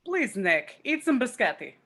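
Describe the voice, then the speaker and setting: A woman playing a smug, deadpan male vampire in a table read of a comedy film script over a video call. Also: a little high, moderate pace, full character voice. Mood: smug, teasing.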